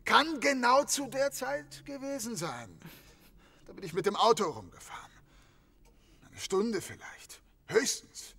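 An actor in a crime radio play voicing an agitated innkeeper grieving his murdered wife, halting, stammering and swearing bitterly. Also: high-pitched, creaky, bright, forceful tone, heavily acted. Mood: defensive, evasive. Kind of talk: dramatic audio drama acting.

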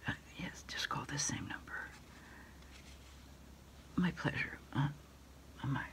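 Casting: American woman, creaky whisper, ASMR order-taker on the phone, unhurried and hesitant. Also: sits low, a bit bright. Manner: unhurried, hesitant, pausing as if listening to a caller. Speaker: ASMR creator role-playing a food delivery order taker.

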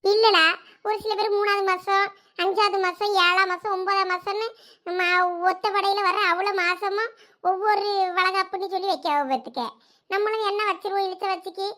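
A woman's voice: very high-pitched, steady tone, normal speed, pushed and bright. A woman playing a bossy but caring village elder sister, teasing and scolding in a Thoothukudi Tamil accent. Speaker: actor in a village comedy skit. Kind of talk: village comedy skit acting.

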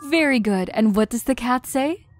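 Woman acting a high-voiced, frayed young mother. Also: expressive, moderate pace, soft background music, close to an everyday voice. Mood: gentle, encouraging. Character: young mother, tender with her son, fraying and snappy with husband. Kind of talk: audio drama dub acting.

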